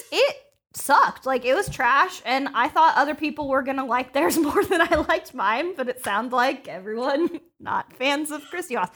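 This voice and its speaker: A woman's voice: high-pitched, fairly bright tone. A woman co-hosting a casual podcast, joking and laughing as she reviews a film. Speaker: podcast co-host. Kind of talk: casual chat reviewing a movie.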